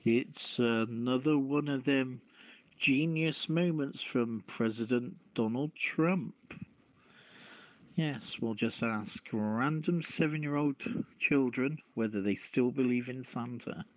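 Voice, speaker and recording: A man's voice: mid-range voice, slow, no echo. A man hosting a casual radio quiz as the quizmaster. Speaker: show host and quizmaster. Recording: dry, dull lo-fi stream audio.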